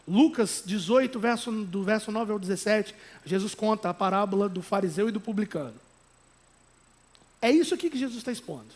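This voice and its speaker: A Brazilian man preaching a sermon as pastor, emphatic, with conversational asides and tag questions, at times rising to loud exhortation. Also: high voice. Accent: Brazilian Portuguese.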